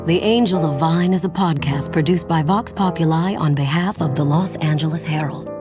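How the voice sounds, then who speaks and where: An actress playing a poised announcer reading scripted podcast credits. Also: female voice, sits low, normal speed, natural voice. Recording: piano music under the voice.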